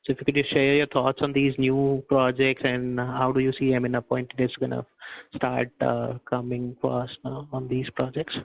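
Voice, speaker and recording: Analyst, monotone, courteous, tinny phone audio. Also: male voice, mid-range voice, normal speed, gravelly. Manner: polite, hedging with "I mean". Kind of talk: earnings call question.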